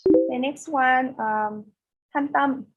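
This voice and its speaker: A woman teaching an online English class, calling on students one by one in a patient, soft-spoken way. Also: sits high, takes it slowly. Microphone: video call. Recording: dull lo-fi call audio.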